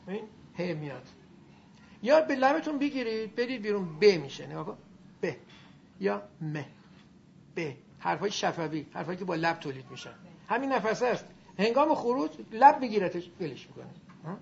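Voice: mid-range voice, very animated, creaky, highs cut off, a little hiss or hum. A teacher giving a classroom lesson on Arabic grammar and pronunciation, demonstrating sounds aloud and quizzing the class.

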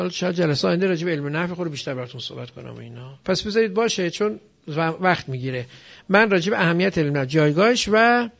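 A man's voice: high voice, gravelly, highs cut off. A man teaching a class, explaining grammar and drilling examples aloud. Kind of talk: classroom lecture.

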